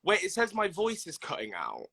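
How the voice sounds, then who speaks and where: A man on a phone video call, his audio cutting in and out over a shaky internet connection. He talks in a bright, higher voice that swings up and down, flustered and excitable. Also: moderate pace, creaky. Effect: audio breaking up over a bad internet connection. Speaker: guest on a livestream. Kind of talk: casual chat.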